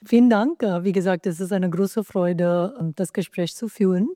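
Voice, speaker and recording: A woman's voice: fairly low pitch, normal speed, mellow, no echo, clean studio sound. A woman whose first language is Hindi, a professor of political theory, answering interview questions earnestly with hesitations and self-corrections.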